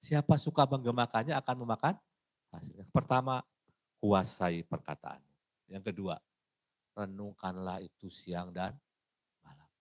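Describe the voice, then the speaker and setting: A male evangelist with an Indonesian accent delivers a sermon in a low-pitched voice. He swings from loud, emphatic lines to hushed asides and acts out short exchanges. The sound is close and dry. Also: a little slow, long pauses, no echo. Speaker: evangelist preacher.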